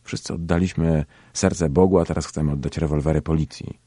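A man voicing a calm, cocky young gang leader in an audiobook story, speaking in casual, laid-back street talk. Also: very deep voice, fairly quick, no echo, studio quality.

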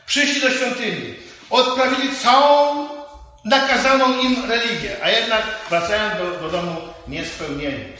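A man's voice: sits high, bright, forceful tone. A man preaching a sermon to his congregation, repeating and stressing his phrases for emphasis. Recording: roomy hall with long reverb, faint noise.

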